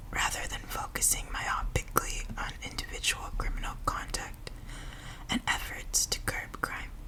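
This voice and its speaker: Whispering at a moderate pace, a woman is heard over noticeable background noise. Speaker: ASMR creator. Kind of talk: ASMR book reading. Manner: whispered, soft-spoken.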